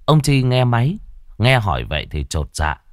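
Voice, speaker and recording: A man's voice: mid-range voice, sing-song, normal speed, dry recording, studio quality. A man narrating a ghost story in a grim, dramatic way.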